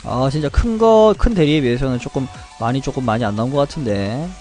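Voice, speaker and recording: A young man commentating his game card and pet draws, greeting viewers and chanting loudly when good results come up. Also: mid-range voice, quick pace, faint music behind. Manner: animated, chants and shouts at good pulls. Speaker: game streamer. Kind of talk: excited gacha pull commentary.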